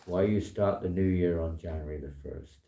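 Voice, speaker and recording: Hoarse man in an echoey temple hall. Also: deep voice, fairly quick, warm tone, recorded from a distance, a little hiss or hum. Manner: dry, wry humor, rambling asides. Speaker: monk giving a temple talk. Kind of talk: informal spiritual talk. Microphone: distant room mic, later handheld.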